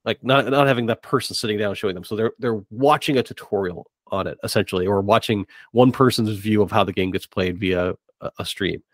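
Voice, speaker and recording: A man's voice: lowish voice, a little fast, hardly any pauses, no room sound, studio quality. A middle-aged man in casual podcast discussion, hesitant and repeating words as he works out his thoughts. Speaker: podcast host. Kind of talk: casual discussion of tabletop gaming.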